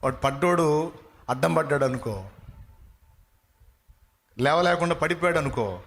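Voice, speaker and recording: A male pastor preaching a sermon in an animated way, putting questions straight to his congregation. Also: fairly high pitch, measured pace.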